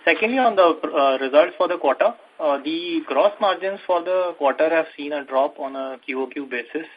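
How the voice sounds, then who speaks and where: A man's voice: on the high side, moderate pace. A man with an Indian accent politely putting questions as a financial analyst on an earnings call. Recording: dull, muffled phone line.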